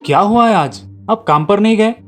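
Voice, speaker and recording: A man voicing a lazy, carefree young village lad in a cartoon, talking in a lively, cheeky way. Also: sits high, moderate pace, pitched above the performer's own voice.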